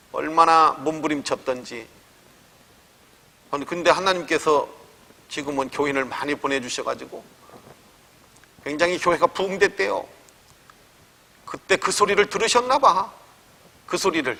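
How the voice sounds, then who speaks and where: A man's voice: on the high side, moderate pace, vocal fry, long pauses, pushed and bright, a little hiss or hum. A man pastor delivering an emphatic sermon, acting out prayers with rising intensity. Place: church sanctuary. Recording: church hall reverb.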